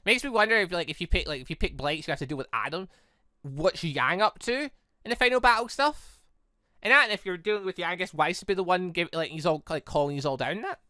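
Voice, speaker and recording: A gaming video host rambles through a let's play, reading visual novel dialogue aloud and stammering as he corrects himself. His voice is high-pitched, expressive, fast, bright and forceful. The dry, studio-quality recording has music playing behind him.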